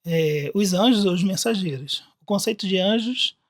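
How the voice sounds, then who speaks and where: A Bible teacher with a Brazilian Portuguese accent walks through slides in a recorded lesson, thinking aloud and tossing in frequent "né?" as sentences restart. The voice sits at a middling pitch. The sound is dry and close, with no room echo. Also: expressive, normal speed.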